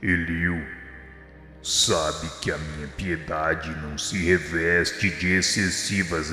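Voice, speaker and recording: A Brazilian man playing a grave, compassionate Jesus in a religious radio drama, speaking in a solemn, formal, measured way. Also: low-pitched, pushed and bright, exaggerated voice. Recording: echoey hall reverb over music.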